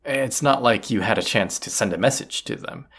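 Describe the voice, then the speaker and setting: An actor playing a gruff, teasing bandit leader in a roleplay audio drama, with a husky voice and a sardonic, folksy drawl. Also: medium pitch, moderate pace, a bit bright. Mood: baffled, incredulous.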